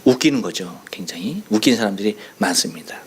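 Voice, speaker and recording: A man's voice: on the low side, lively intonation, fairly quick, a little hiss or hum. A male pastor from Chungcheong preaching a sermon in a playful, storytelling way, mimicking dialect phrases. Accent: Chungcheong Korean. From Chungcheong, South Korea. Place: church sanctuary.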